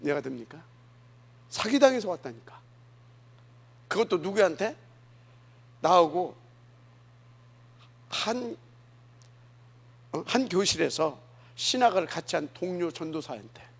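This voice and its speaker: A man's voice: sits high, very animated, a little slow, creaky, long pauses, husky. A male pastor from Jeolla preaching a sermon in a church, talking conversationally and often asking the congregation rhetorical questions. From Jeolla, South Korea. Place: church sanctuary.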